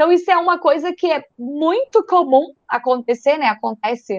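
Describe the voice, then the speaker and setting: Recorded with a dry, close sound and no echo, a woman speaks at a fairly slow pace with ordinary pitch variation. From Rio de Janeiro, Brazil. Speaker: financial coach. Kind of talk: live-stream interview.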